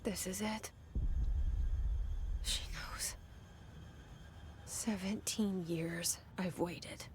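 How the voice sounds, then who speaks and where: A woman's voice: on the low side, fairly even intonation, drawn-out words, pauses often, in a whisper. An actress playing a guarded, determined young woman in charge of an agency, in terse video game cutscene dialogue and inner monologue. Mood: brooding, intimate.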